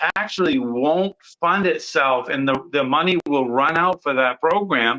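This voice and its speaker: Dry and close with no echo, a man's high, bright, sharp voice moves at a moderate pace. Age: 60s. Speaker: political candidate. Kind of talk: interview.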